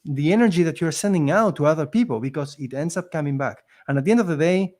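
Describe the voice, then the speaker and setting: Guy with an accent, slightly high voice, earnest and emphatic, podcast guest storytelling. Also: fast, darkish tone. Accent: non-native accent in English. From immigrant living in Canada. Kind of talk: conversational storytelling.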